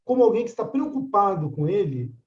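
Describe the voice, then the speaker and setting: A man's voice: sits high, very animated, brisk, darkish tone, roomy sound, lo-fi sound. An older man mediating a religious study class, talking conversationally and often asking "right?" of his listeners. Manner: conversational, frequent tag questions. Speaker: course mediator.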